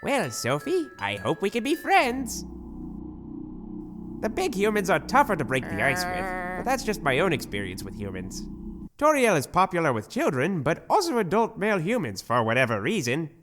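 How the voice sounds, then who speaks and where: A woman's voice: lowish voice, huge pitch swings, normal speed, music in the background. A woman voicing a boastful, innocent male skeleton monster with pompous, theatrical delivery in a fan comic dub. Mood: proud, cheery.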